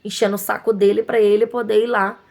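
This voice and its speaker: Indignant woman with gravelly voice. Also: medium pitch, fast. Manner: indignant, animated retelling with quoted voices. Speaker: shop owner. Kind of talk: casual storytelling to viewers.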